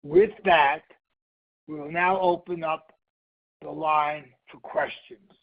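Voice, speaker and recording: A man's voice: on the high side, steady tone, slow pace. A man speaking formally and emphatically as a company executive on an earnings call, over a muffled phone line. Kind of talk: scripted corporate presentation, then brief remarks.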